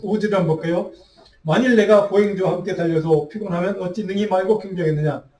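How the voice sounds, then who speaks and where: The pastor's voice sits high and warm as he delivers a midweek Bible study sermon, earnest and thick with rhetorical questions. He's recorded from afar in a church sanctuary with roomy echo.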